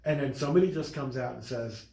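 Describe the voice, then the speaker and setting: A man talking casually about a film as a podcast co-host, emphatic and halting with restarts. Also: medium pitch, gravelly, warm tone. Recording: echoey, roomy recording.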